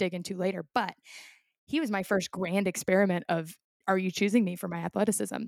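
A woman with an unremarkable speaking voice talks at a fairly quick pace, with medium pitch and fairly even intonation. The recording is very clean and dry, with a close sound, no echo and a silent background. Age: 20s. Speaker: podcast co-host. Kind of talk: casual chat.

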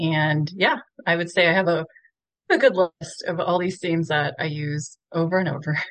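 This woman's pitch sits fairly low, and her intonation stays fairly even. She keeps a moderate pace in a normal speaking voice. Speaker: fanfic writer and fan.

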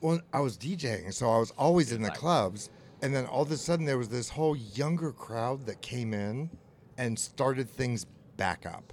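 This man has an unremarkable speaking voice at a medium pitch. He speaks at a moderate pace with lively intonation. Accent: American. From Pittsburgh, Pennsylvania. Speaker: DJ. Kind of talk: casual chat.

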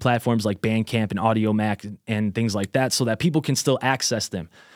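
Here a man with an American accent talks at a fairly quick pace. The sound is dry and close with no echo, on a very clean recording with a silent background. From Milwaukee, Wisconsin, US Midwest. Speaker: rapper, recording artist. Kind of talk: casual interview chat. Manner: confident, bravado, slightly angry edge.

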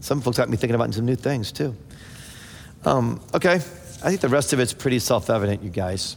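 A man with an American accent speaks at a fairly quick pace and medium pitch, his tone animated, his intonation lively and his voice showing vocal fry. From US Midwest (Indiana). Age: 50s. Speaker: bishop. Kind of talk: teaching seminar.

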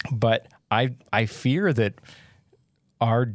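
The sound is dry and close, without any echo. The voice belongs to a man. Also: very clean recording, silent background. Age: 40s. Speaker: university professor and podcast co-host. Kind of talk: casual chat. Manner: halting, frequent self-repetition.

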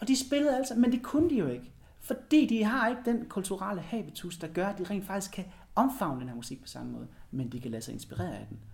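A man's high voice at a very fast pace, with very wide pitch swings and big swings in loudness. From Denmark. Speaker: musician and poet. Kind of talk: interview. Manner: halting, many repetitions and fillers.

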